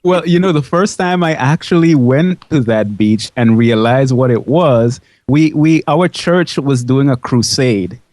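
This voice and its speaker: A man's voice: mid-range voice, unhurried, hardly any pauses, darkish tone, dry recording. A man from the Dutch side of a Caribbean island, schooled in Dutch, telling his story as an enthusiastic, chatty interview guest. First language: Dutch-schooled, fluent English. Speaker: interview guest, biology educator.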